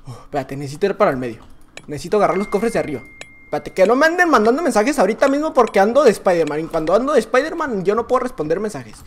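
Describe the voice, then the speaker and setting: A man with a Mexican accent giving excitable, joking gameplay commentary, now and then singing or yelling. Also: high-pitched, rapid-fire, a little hiss or hum. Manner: excitable, joking, breaks into silly singing and shouting. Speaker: gaming YouTuber.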